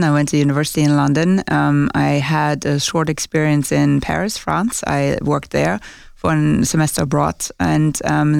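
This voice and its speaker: A middle-aged woman from Germany, answering as a guest on a marketing podcast in a thoughtful, measured way. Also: low voice, gravelly, a little mellow, no room sound, clean studio sound. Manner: thoughtful, measured, with frequent um fillers. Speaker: guest, chief marketing officer. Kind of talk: podcast interview.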